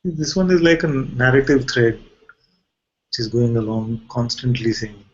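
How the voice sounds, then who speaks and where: A man leading an informal guided spiritual dialogue as a teacher, asking probing questions and pausing mid-sentence. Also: medium pitch, dull audio.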